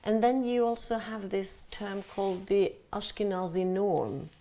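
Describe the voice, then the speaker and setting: A woman's voice: medium pitch, measured pace, mellow. A woman hosting a podcast interview, asking curious questions and giving short encouraging replies. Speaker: podcast host.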